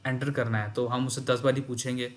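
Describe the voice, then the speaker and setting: A man's voice: medium pitch, flat delivery, brisk. Man explaining programming in mixed English. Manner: mixes English terms and read-out textbook lines into explanation, repeats key points. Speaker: teacher.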